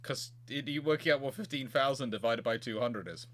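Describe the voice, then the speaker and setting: A man hosting a casual live question-and-answer chat, halting and musing aloud as he goes. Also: medium pitch, a bit bright. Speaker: host of a naval history Q&A chat show.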